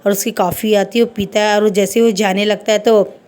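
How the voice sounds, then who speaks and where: A woman's voice: medium pitch, flat delivery, fairly quick, darkish tone, clear, resonant tone. A woman telling a romance fan fiction story aloud in a rambling, conversational way.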